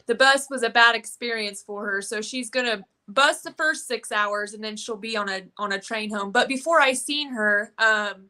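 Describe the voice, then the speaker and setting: A woman's voice: a little high, normal speed, few pauses, pushed and bright. A young woman from Indiana telling her story as an interview guest, earnest, with many "um" fillers.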